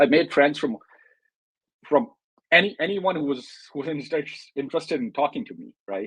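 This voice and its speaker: A man with a Pakistani accent speaks at a fairly quick pace and fairly high pitch, with lively intonation. His loudness swings widely, and he takes long, frequent pauses. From Pakistan, Lahore. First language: Urdu. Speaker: former immigration client. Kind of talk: interview. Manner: halting, many restarts.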